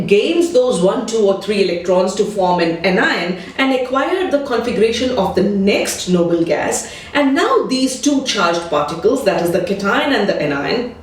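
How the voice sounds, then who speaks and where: A woman chemistry teacher giving a patient, step-by-step explanatory lesson. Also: medium pitch. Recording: echoey room, distant mic.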